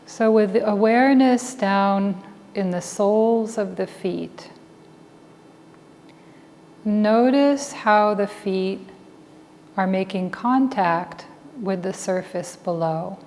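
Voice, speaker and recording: A woman teaches a guided meditation in a mellow, medium-pitched voice. She is calm and very unhurried, leaving long pauses between short phrases. Her voice carries a long reverb. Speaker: meditation teacher and Buddhist chaplain. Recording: reverberant hall with faint background noise.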